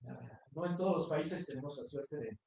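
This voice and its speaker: A man with a somewhat high voice speaks at a panel, hesitant and full of filler sounds. His voice rings through a large, very echoey hall. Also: moderate pace, darkish tone. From Mexico. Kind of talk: public talk. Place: university lecture hall.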